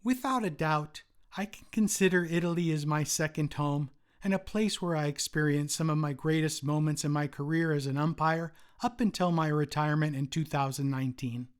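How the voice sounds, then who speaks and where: A man, a retired umpire, giving a formal prepared presentation at a convention in a measured, read-aloud way. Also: a little high.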